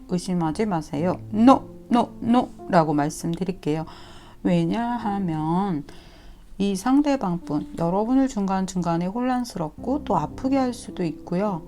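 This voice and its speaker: Woman tarot reader, mellow lowish voice, a touch sore-throated, gentle coaxing delivery, faint music under. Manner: gentle, coaxing, addresses viewers directly. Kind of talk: tarot reading to viewers. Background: soft instrumental music.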